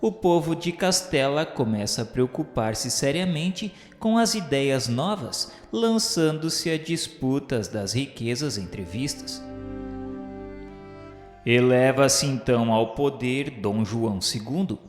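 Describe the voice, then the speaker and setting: A man with a Brazilian accent narrates a radio drama in a solemn, measured way. His medium-pitched voice carries formal, literary phrasing. It rings with heavy echo, and music plays behind him. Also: lively intonation. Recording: echoey hall-like reverb with music.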